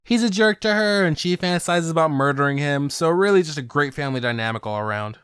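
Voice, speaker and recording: A man's voice: a little high, expressive, quick pace, music in the background. A young man hosting a comedic review video, sarcastic with jokey asides. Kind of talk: comedic narration.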